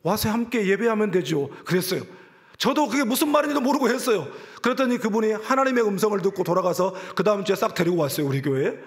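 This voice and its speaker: A man preaching a sermon in a church, telling a personal story with passion, rising loud and then dropping to hushed whispers. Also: sits high, animated, quick pace. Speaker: pastor. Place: church sanctuary.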